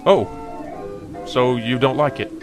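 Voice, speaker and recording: An actor playing an eager, nervous property seller in a radio drama, tentative and hurried. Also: male voice, medium pitch, natural voice, poor audio. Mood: eager, unsure. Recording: music behind the voice.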